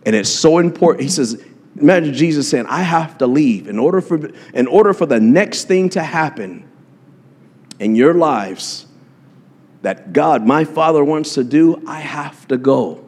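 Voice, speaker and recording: A man's voice: fairly high pitch, lively intonation, unhurried, a little mellow, husky, long reverb tail. A man preaching a sermon in a church, impassioned and repetitive, with frequent fillers and restarts. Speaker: pastor.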